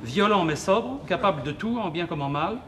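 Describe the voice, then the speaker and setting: An actor playing a flustered, excitable man fussing over a date, stammering and muttering to himself on a theatre stage in a televised boulevard comedy. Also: sits high, moderate pace. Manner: stammering, fussy, talks to himself. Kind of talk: 1980s French boulevard stage comedy acting. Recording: hissy old television broadcast recording.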